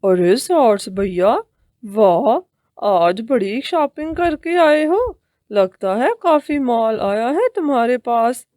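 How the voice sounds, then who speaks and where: Woman doing a greedy crow guy in a cartoon, loud and pushy, dry sound. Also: a little high, big pitch swings, no room sound. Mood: sly. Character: greedy, bossy male crow.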